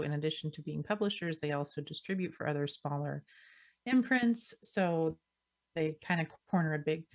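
A woman co-hosting a podcast in casual chat, explaining things in a steady, knowledgeable way. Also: low-pitched. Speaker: podcast co-host.

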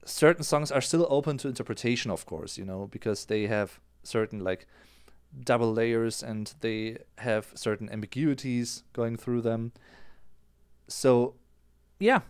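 A man's voice: medium pitch, a little slow, clean tone, no echo. A man in his thirties with a German accent, a native German speaker, casually explaining song lyrics as a music reaction streamer on a headset. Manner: animated, gesturing with his hands. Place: small indoor room.

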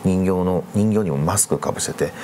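A middle-aged man with a low voice recounts a ghost story casually, as if thinking it over while he talks. Clear background noise sits behind him. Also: brisk, dark tone. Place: dark studio, seated at candlelit table.

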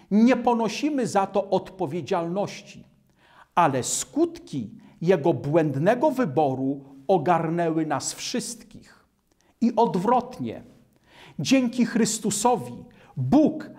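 An older man preaching a sermon in a slow, measured way, recorded in a studio. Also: high-pitched, a little mellow. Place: studio in front of a starry-sky backdrop.

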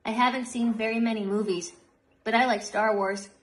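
A woman's voice: fairly high pitch, fairly even intonation, normal speed. A synthetic female-sounding robot voice giving polite, child-friendly answers to questions. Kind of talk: scripted demo answers.

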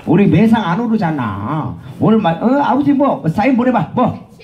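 High, lively rowdy male hawker. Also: moderate pace, dull audio. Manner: bantering, teasing, shouted cues. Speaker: street performer and vendor. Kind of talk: rowdy comic banter with a crowd. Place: outdoor festival stage.

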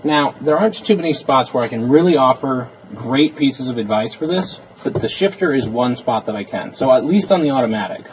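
Man, casual how-to talk, relaxed and explanatory, inside a car, faint background hiss. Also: mid-range voice, a little fast, hardly any pauses, rough recording. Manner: relaxed, explanatory, talks while working with his hands. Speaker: car interior DIY reviewer.

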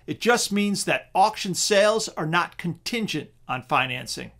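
A middle-aged man narrating a scripted webinar on real estate auctions in a steady, persuasive sales tone. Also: high-pitched, a little slow.

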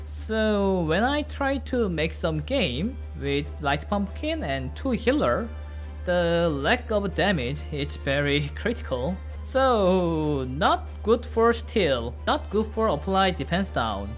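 Seated at a desk indoors with his webcam beside the game screen, a man in his thirties streams games and offers casual commentary. Korean is his native tongue and his accent shows; his English stays simple and halting, broken by excitable, high-pitched exclamations over faint game music.

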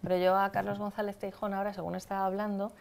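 A woman's voice: mid-range voice, little pitch movement, fast talker, gravelly, a little mellow. A woman with a Spanish accent from Spain, hosting a studio talk show and chatting with guests, often murmuring agreement as they speak. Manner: conversational, frequent murmured agreement.

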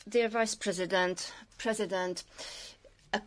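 A woman's voice: medium pitch, fairly even intonation, a little hiss or hum. Formal woman interpreter, many fillers. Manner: measured, formal, with frequent fillers. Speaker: simultaneous interpreter. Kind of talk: simultaneous interpretation of a conference speech.

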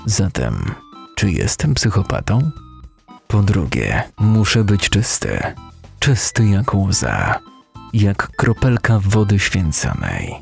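A man narrating a dark first-person story as a dramatic, brooding audiobook reader. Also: lowish voice, huge pitch swings, slow pace, creaky, faint music behind. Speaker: narrator (lektor).

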